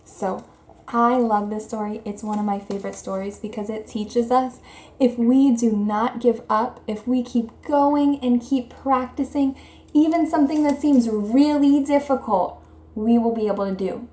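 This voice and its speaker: Higher-pitched woman teacher reading to children. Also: a little slow. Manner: expressive, simple child-directed explaining. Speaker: teacher reading aloud to young pupils. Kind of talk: children's story read-aloud with questions. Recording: roomy, echoey indoor sound.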